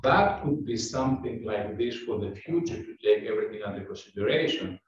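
A man's voice: fairly low pitch, expressive, fairly quick, far from the mic. A man from Greece with Greek as his first language, speaking in a casual town board meeting discussion, searching for words and restarting phrases. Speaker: board member. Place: town meeting room, large table. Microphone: far room microphone. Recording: echoey meeting room from afar, dull.

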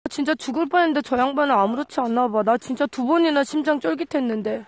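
A woman in her thirties vlogging outdoors on a frozen river, chatting playfully to viewers with excited squeals. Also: high voice, fast, no room sound. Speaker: camping vlogger. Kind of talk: casual vlog chat to viewers. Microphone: handheld camera. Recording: outdoor camera noise.

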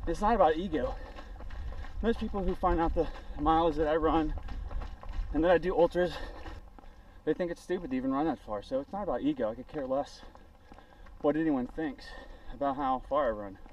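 A running vlogger in his forties jogs along windy roadside paths, chatting casually and encouragingly to an action camera held at arm's length, and he sounds exerted. His voice is fairly high and brisk with frequent pauses and a darkish tone. The lo-fi audio is distant and noisy, full of wind.

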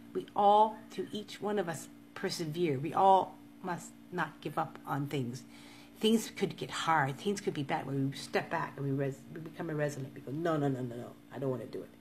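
A woman's voice: sits low, moderate pace, a little hiss or hum. A woman in her fifties speaking to live-stream viewers in a casual monologue, earnestly repeating encouraging urges. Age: 50s. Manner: earnest, repetitive motivational urging.

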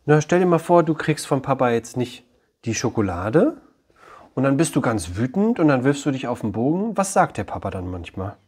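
Husky male psychologist, 30s, direct explanatory delivery, softens to a coaxing tone with a child. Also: mid-range voice, sing-song, normal speed. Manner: direct and explanatory, often checks in with "ja?"; gentle, coaxing tone with his son. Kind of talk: advice talk to camera, then chat with his child.

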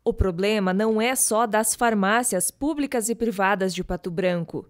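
A woman TV reporter reading scripted news narration in an even, measured delivery. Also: mid-range voice, slight background noise.

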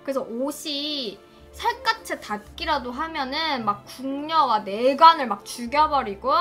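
A woman tells a history story in a casual, chatty way and acts out the quoted lines as she goes. Her voice is high and bright, and her pitch swings widely. Soft music plays underneath.

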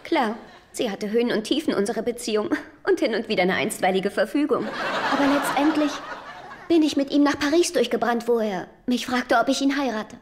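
A syrupy widow from a dubbed sitcom, played by a woman, with a very high voice. She speaks with sweet composure, unhinged and possessive underneath. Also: a little fast, background noise, natural voice. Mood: syrupy, fond. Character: unhinged, syrupy jealous widow giving a eulogy. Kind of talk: dubbed sitcom dialogue, eulogy speech.

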